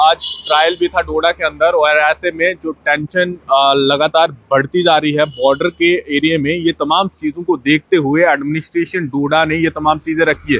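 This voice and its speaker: A man's voice: a little high, fairly bright tone, dull audio. A male reporter giving an unscripted local news update, explaining at length with frequent hesitations and repeated phrases. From Jammu and Kashmir.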